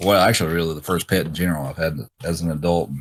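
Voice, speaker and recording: A man speaks with an American accent in a very clean recording with a silent background. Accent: Southern, somewhat diminished. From US South, Appalachian Virginia. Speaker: speedrunner. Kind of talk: casual chat. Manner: sped-up speech.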